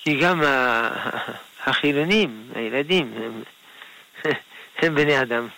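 A man, a rabbi, answering listener questions on a radio call-in show in a gentle, unhurried way. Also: mid-range voice, vocal fry, low-quality recording. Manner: gentle, unhurried, explains patiently with soft laughs.

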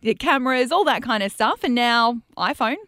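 A woman co-hosts a radio show in chatty banter. Her pitch is a little high and swings widely as she talks. The sound is close and dry from a studio mic. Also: animated, moderate pace, pushed and bright, no room sound. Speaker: radio co-host.

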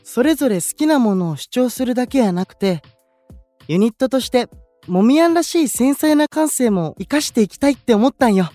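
A man playing a gentle, candid young male idol with a Kansai accent in an anime-style audio drama, soft-spoken and considerate. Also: very high-pitched, expressive, a little fast, dry recording, soft background music. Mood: earnest, caring.

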